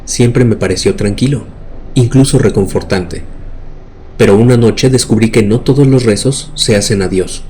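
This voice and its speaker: A man's voice: lowish voice, moderate pace, dark tone, a little hiss or hum. A man narrating scripted horror stories in a dramatic, suspenseful way. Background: music bed.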